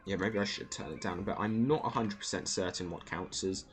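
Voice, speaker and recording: A man's voice: deep voice, a little fast, over music. A man streaming a video game, thinking aloud in a casual, rambling way with many fillers. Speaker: gaming streamer. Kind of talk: casual gameplay commentary.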